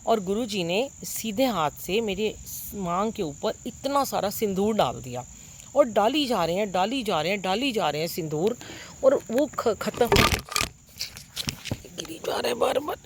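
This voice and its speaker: A middle-aged woman telling a congregation about a dream. She sounds full of wonder and earnest, with lots of pauses and fillers, recorded on a phone propped nearby. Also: medium pitch, expressive, noisy background. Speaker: devotee sharing a dream with a congregation. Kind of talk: devotional storytelling.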